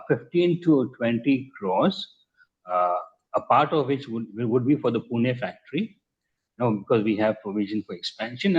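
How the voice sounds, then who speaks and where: An Indian man answering investor questions as a company executive on an earnings call, in measured, hesitant phrasing with repeated words. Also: mid-range voice, darkish tone, husky. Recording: muffled conference call audio.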